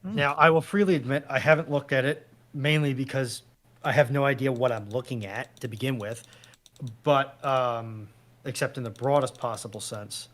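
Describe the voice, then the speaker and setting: Male guest, average pitch, casual panel talk, tentative questioner. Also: normal speed, a bit bright. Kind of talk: casual discussion.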